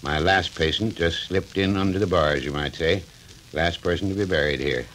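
An actor playing a kindly, folksy old country doctor in a 1940s radio drama, with a gentle, reminiscing manner. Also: male voice, low voice, moderate pace, poor audio. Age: older. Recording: old radio recording with faint hiss.

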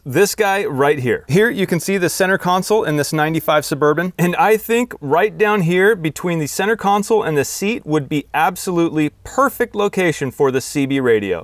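American man, lively pitch, casual how-to host. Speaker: host of a car and radio how-to channel. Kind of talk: casual scripted how-to narration.

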